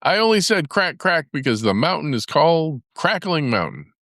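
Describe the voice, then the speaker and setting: A man voicing a sly, vengeful storybook rabbit who talks in a falsely friendly, smooth way. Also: fairly high pitch, sing-song, moderate pace, fairly bright tone, no echo, clean studio sound, voice pushed up. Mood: feigned innocence. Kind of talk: storybook character voice.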